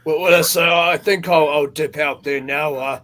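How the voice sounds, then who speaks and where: A man's voice: a little high, steady tone, a bit bright. A man speaking hesitantly as a guest in a casual chat. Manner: hesitant, frequent drawn-out uhs. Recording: noisy internet call with room ambience.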